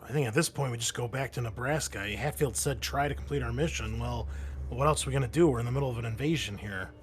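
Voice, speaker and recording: A man's voice: medium pitch, quick pace, a little hiss or hum, lightly acted. Man playing a cautious, insistent male marine. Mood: cautious, urgent. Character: cautious, urgent male marine urging retreat. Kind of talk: in-character roleplay dialogue.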